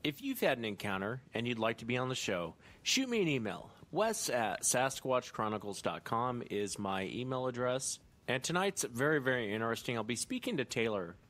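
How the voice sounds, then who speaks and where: Man, podcast host, slightly numb-mouthed after the dentist, conversational introduction, medium pitch. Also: sing-song, moderate pace, few pauses, a bit bright.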